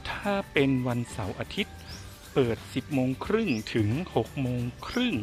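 A man's voice: mid-range voice, sing-song, normal speed, faint music behind. Chatty man vlogging on foot. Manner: chatty, exclaiming, talks to viewers as everyone. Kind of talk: casual walking vlog. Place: outdoors on a street and in a garden cafe.

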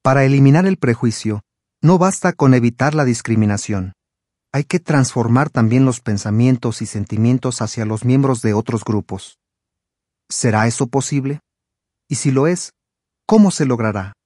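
A man narrates a scripted religious video in a calm, explanatory tone at a middle pitch. The voice-over is close and dry, with nothing heard behind it. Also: normal speed, no room sound.

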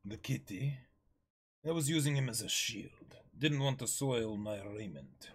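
Man playing a raspy, boastful pirate swordsman. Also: medium pitch, unhurried. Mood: haughty. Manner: boastful, theatrical, formal. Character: cocky male acrobat swordsman, pirate second mate.

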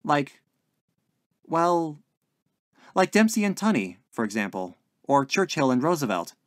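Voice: mid-range voice, very animated, a little slow, no room sound, studio quality, pitched above the performer's own voice. A narrator voicing a polite, earnest young man in a story, hesitant and puzzled as he searches for his words. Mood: hesitant, searching. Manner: hesitant, searching, well-mannered.

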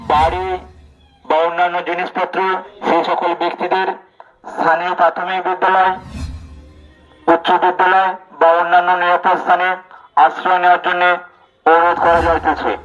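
A man reading a formal public warning through a loudspeaker, in a slow, measured, monotone way. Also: high-pitched. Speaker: panchayat announcer. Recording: dull lo-fi loudspeaker recording.

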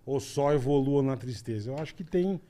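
A man's voice: mid-range voice, expressive, brisk, mellow. A man in his forties with a Brazilian accent, chatting casually as a podcast co-host. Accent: Brazilian Portuguese. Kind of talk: casual chat. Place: small indoor podcast studio. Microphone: close boom-arm studio mic with headphones.

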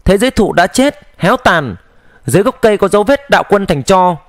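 A man narrating a fantasy audiobook in a steady, measured storytelling voice, close to the mic. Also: high-pitched, dry recording.

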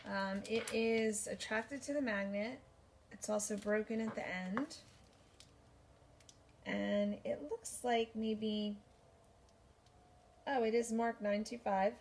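A woman in her forties, a vintage jewelry reseller, chats casually and thinks aloud with many ums while sorting jewelry in her bedroom for a show-and-tell haul video. Her medium-pitched voice has fairly even intonation, a slow pace and long pauses. A camera at desk distance records it indoors, with a little hiss or hum.

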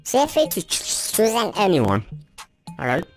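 A high, artificial helium-like voice, made by a man using a voice changer, demonstrates software in a tutorial. Its pitch is electronically shifted well upward, and music plays behind it. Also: huge pitch swings, moderate pace, full character voice. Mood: demonstrating. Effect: pitch-raising voice changer.

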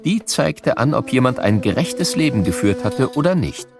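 A man narrating a scripted educational audiobook for children with measured, clearly phrased storytelling. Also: mid-range voice, very animated, over music.

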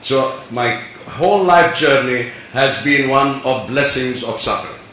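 A man's voice: mid-range voice, measured pace, sharp tone. A man in his seventies from Palestine, speaking earnestly and insistently on a conference panel. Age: 70s. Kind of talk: earnest personal speech. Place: large conference hall. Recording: echoey hall, distant mic, faint hiss.

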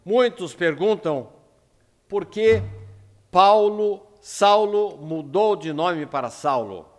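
A Brazilian man in his seventies giving a prepared religious lecture in Portuguese with deliberate, emphatic pauses at a lectern microphone. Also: high-pitched, expressive. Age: 70s. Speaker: lecturer at a Spiritist centre. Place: indoor lecture room at a lectern. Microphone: gooseneck lectern microphone. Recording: echoing hall with long reverb.

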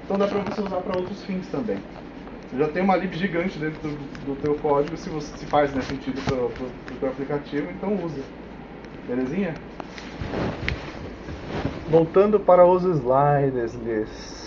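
A man's voice: a little high, fast talker. Male tech presenter, Brazilian accent, colloquial and informal, checks in often; roomy, noisy recording. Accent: Brazilian Portuguese. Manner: colloquial, frequent check-in tags. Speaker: developer giving a technical talk. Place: indoor meetup room with whiteboard. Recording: echoey room, dull sound, clear noise.

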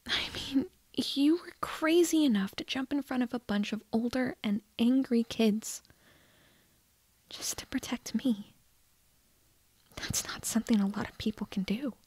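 A woman playing a shy, nervous teenage girl in love with a best friend, in a breathy, hesitant ASMR roleplay whisper. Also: a little high, darkish tone, no room sound. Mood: fond, nostalgic. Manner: hesitant, halting, tender.

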